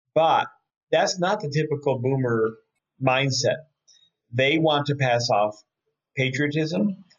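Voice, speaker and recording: A man speaks at a very slow pace in a somewhat breathy voice. He leaves long, frequent pauses. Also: fairly high pitch for a man, ordinary pitch variation. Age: 60s. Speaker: author and former congressional staffer. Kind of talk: casual chat.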